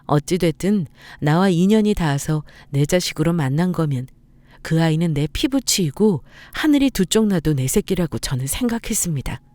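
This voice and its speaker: A woman's voice: on the low side, expressive, moderate pace, mellow, no echo. A middle-aged woman telling her own story as scripted narration, earnest and determined.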